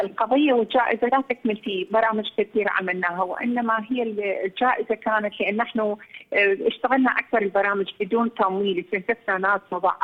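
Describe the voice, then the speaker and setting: A woman at a fairly high pitch and moderate pace, her intonation fairly even, with noticeable background noise. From southern Iraq, Basra. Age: 50s. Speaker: human rights activist. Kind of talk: interview.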